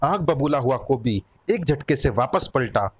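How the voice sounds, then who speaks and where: A man narrating a children's story in an expressive, dramatic manner. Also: mid-range voice, a little slow, husky, dry recording.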